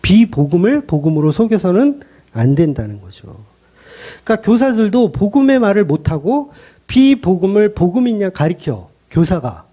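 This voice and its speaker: A man's voice: high-pitched, very animated, moderate pace, mellow. A male pastor preaching a sermon in a blunt, colloquial way, pressing the congregation with rhetorical questions.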